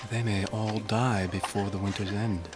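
An actor playing a courteous, self-assured Native American envoy in a radio drama, with a formal and pointed manner. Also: male voice, lowish voice, fairly even intonation, moderate pace, lightly acted. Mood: grim, disdainful. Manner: formal, deferential yet pointed. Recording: radio play with music underneath.

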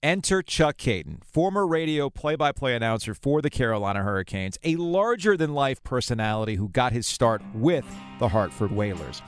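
A male sports podcast host narrates in a scripted storytelling style. His pitch moves around with lots of animation. The recording is dry and close, with soft music underneath. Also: animated, normal speed, few pauses, clean tone, no room sound.

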